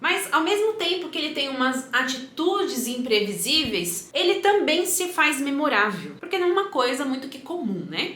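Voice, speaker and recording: A woman speaks in a raised, projected voice with high pitch and very wide pitch swings. She keeps a moderate pace with hardly any pauses over noticeable background noise. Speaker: YouTuber, TV series reviewer. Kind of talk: casual review monologue.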